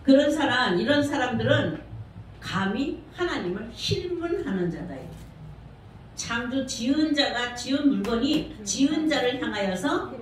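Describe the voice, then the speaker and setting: A woman's voice: high voice, animated, a little slow, a little hiss or hum. A woman pastor giving a sermon in a church, preaching conversationally and putting questions to the congregation. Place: church sanctuary. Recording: very echoey church from far off.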